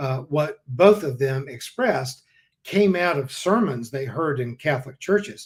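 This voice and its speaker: Speaking fairly slowly with an American accent, a man sounds somewhat breathy, with lively intonation. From US, Kentucky. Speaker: pastor. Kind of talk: interview conversation.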